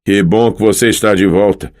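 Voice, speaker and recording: A man's voice: fairly low pitch, fairly even intonation, normal speed, a little mellow, lightly acted. A man reading an audiobook, voicing a boastful, teasing young male sun god in a raised, showy voice. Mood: playful boastful. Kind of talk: audiobook character voice.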